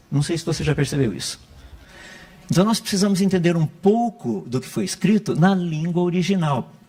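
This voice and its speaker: This man's voice sits high in pitch. Its rise and fall is ordinary. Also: moderate pace. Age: 60s. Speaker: physicist and creationist lecturer. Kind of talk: lecture. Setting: church.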